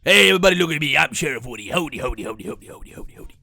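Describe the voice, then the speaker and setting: A man's voice: fairly high pitch, expressive, racing, gravelly, sharp tone, soft background music, full character voice. A man switching impression voices, playing a folksy, swaggering cartoon cowboy sheriff. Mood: chipper.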